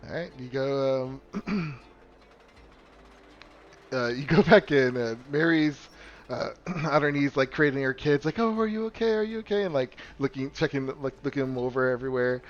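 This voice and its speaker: A man's voice: medium pitch, steady tone, normal speed, muffled recording. A man narrating a tabletop game as game master, casual and rambling, often breaking into laughter.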